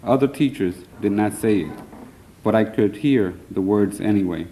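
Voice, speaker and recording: A man's voice: on the low side, warm tone, a little hiss or hum, low-quality recording. A man in his thirties from Puerto Rico reading his own poems at a conference, earnest and plain, a little nervous. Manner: earnest, plain, measured delivery with short line breaks. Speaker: poet reading his work. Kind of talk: live poetry reading. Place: conference hall.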